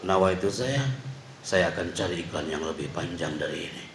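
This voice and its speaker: A middle-aged man giving a lively motivational talk to boarding-school students, acting out quotes and swinging between loud and soft. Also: sits low, moderate pace, very noisy. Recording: echoey hall with faint ambience.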